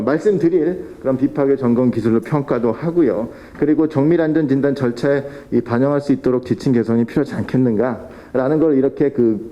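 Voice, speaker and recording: A man's voice: medium pitch, mellow, lo-fi sound. A man presenting at a policy forum, explaining technical methods with fillers and restarts. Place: council hall.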